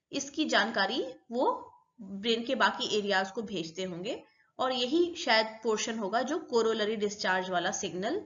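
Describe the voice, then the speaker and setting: A woman's voice: fairly high pitch, fairly bright tone, highs cut off. A woman teaching a recorded psychology lecture, explaining step by step and repeating key terms.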